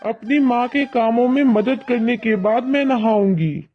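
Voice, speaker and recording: A man voicing a kind, humble young girl from a poor family who speaks softly and patiently, in an animated storybook. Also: very high-pitched, measured pace. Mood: gentle. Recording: dull lo-fi audio, faint music.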